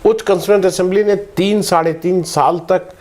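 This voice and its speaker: A man's voice: high-pitched, fairly even intonation, a little fast, darkish tone. A middle-aged man giving a lecturing talk, reeling off statistics with fillers and restarts. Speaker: political commentator. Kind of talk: explanatory talk to camera.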